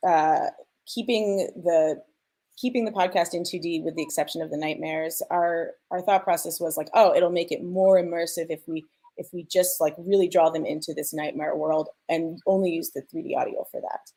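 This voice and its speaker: A woman's voice: lowish voice, fairly even intonation, normal speed, mellow. A woman sound designer speaking as a panel guest, explaining technical craft in a conversational way and illustrating her points with examples.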